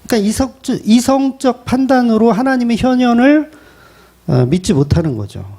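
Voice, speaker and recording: A middle-aged male pastor preaching in a conversational way and posing rhetorical questions. His voice sits high and moves a lot in pitch, with a warm, mellow tone. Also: very animated, normal speed. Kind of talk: expository sermon.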